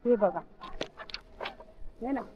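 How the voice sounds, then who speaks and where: A woman's voice: on the high side, drawn-out words, phone-quality sound, slight background noise. A woman vlogging casually as she walks her dog outdoors on an open hillside, talking in a chatty way with lots of fillers. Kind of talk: casual vlog chat.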